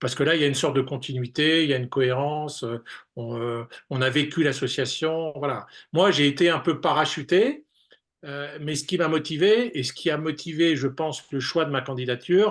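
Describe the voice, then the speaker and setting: This man's fairly high voice shows ordinary pitch variation against a quiet background. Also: moderate pace. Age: 60s. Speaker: association president, former business consultant. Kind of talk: webinar panel discussion. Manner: hesitant, many fillers.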